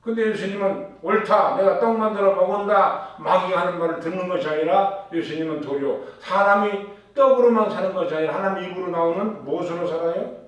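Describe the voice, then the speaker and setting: A man's voice: sits high, quick pace, highs cut off. A male pastor preaching a sermon, putting questions to his congregation and answering them. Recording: echoey room with a distant mic.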